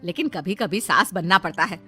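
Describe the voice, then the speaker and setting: A woman's voice: fairly low pitch, moderate pace, breathy edge, soft background music. A woman voicing a stern, scolding middle-aged mother-in-law in a cartoon story. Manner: sharp, bossy, complaining.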